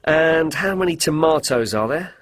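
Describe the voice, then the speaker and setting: A man's voice: fairly high pitch, expressive, moderate pace, a bit bright, dry recording. A man in a scripted textbook dialogue, upbeat and reassuring.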